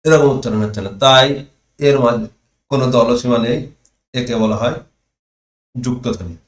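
Bengali teacher man in echoey room. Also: mid-range voice. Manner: slow, stressed dictation of definitions. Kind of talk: online lesson.

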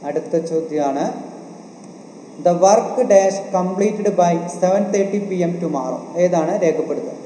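A man's voice: high-pitched, takes it slowly, mellow. Man teaching in an echoey room. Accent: Malayali. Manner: repetitive, asks questions and answers them himself. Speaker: exam coaching teacher. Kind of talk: online grammar lesson. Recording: echoey room with faint noise.

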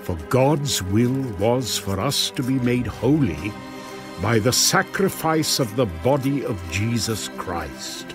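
A man's voice: medium pitch, animated, slow, music in the background. A man narrating dramatized scripture with earnest, emphatic, dramatic phrasing.

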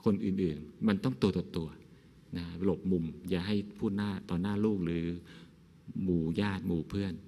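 A man, a Buddhist monk from Thailand, giving a gentle conversational dhamma talk, asking rhetorical questions and laughing softly. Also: sits low, moderate pace, long reverb tail. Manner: frequent soft laughs.

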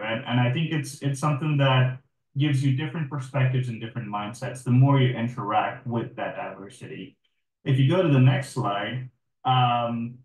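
A man from southern India speaks through a webinar talk at a middle pitch, chatty and unhurried, with fillers and restarts. He sits back from the mic in a room with echo. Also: distant mic. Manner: warm, conversational, with fillers and restarts. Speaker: guest speaker on company culture. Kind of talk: presenting a webinar.

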